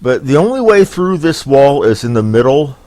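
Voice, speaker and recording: A man's voice: mid-range voice, big pitch swings, moderate pace, warm tone, no echo. A man casually commenting on his game, thinking aloud. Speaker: let's play host.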